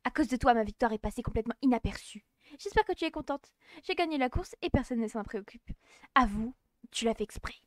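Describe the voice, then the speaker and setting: A woman's voice: a little high, fairly even intonation, fairly quick, few pauses, no room sound, studio quality, natural voice. A woman playing a spiteful schoolgirl rival. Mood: angry. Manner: sharp, scolding, threatening.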